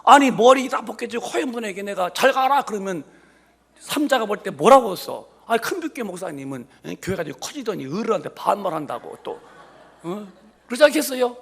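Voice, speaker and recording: A pastor in his late fifties preaches with a high, lively voice that leaps up and down as he jokes with his congregation. His tone is husky and gravelly, full of rhetorical questions and playful asides. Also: a little fast. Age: 50s. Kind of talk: humorous sermon. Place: church sanctuary.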